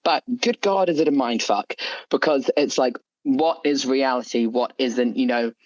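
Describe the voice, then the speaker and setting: A man's voice: medium pitch, moderate pace, no room sound, muffled recording. A man speaking as an author being interviewed, chatting casually in a rambling, hedging way. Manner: rambling, hedging with frequent "you know" and "like". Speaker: interview guest, horror story author.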